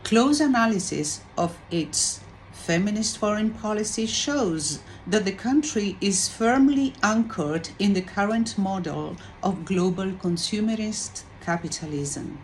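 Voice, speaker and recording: A woman's voice: medium pitch, lively intonation, slight background noise, poor audio. Woman from Chile reading a formal talk. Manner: measured, formal delivery. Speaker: panelist. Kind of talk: reading a prepared presentation.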